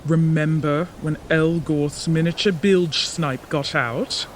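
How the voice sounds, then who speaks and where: A man's voice: on the high side, steady tone, slow pace, a little hiss or hum. A man playing a carefree, forgetful palace servant in an audio drama, chatty and rambling. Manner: breezy, rambling.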